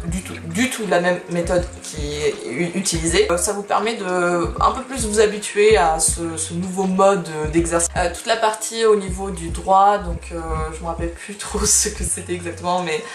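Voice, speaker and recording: A woman's voice: on the low side, normal speed, hardly any pauses, over music. A woman in her early twenties, not a native French speaker, giving casual, informal advice to camera with emphatic repetitions. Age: early 20s. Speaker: student vlogger giving study advice. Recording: echoey room.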